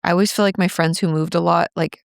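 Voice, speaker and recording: Gravelly low-voiced woman host. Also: fairly even intonation, fast, no echo, clean studio sound. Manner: encouraging, asks open questions. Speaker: podcast host. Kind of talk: conversational interview.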